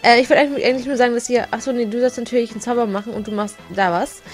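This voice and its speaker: A woman's voice: a little high, fairly even intonation, very fast. A woman giving casual, chatty video game commentary, giggling often and stumbling over her words. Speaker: let's play gamer. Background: faint game music.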